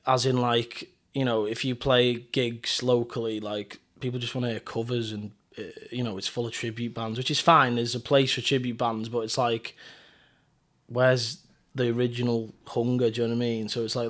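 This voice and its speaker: Easygoing North Welsh man, flat delivery. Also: medium pitch. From North Wales. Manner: chatty, rambling, easygoing. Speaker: podcast guest, singer-songwriter. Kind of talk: casual chat.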